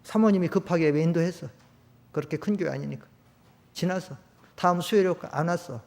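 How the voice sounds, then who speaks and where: An older man, a pastor, preaching a sermon in a church, talking conversationally and swinging between loud emphatic peaks and low quiet storytelling. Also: fairly quick, creaky. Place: church sanctuary.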